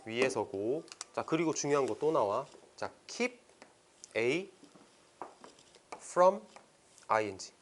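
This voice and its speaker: Lively male English tutor. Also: a little hiss or hum. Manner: explains line by line, reads English sentences slowly; lively pitch, casual teacher's speech. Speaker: English teacher. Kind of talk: exam passage explanation lesson.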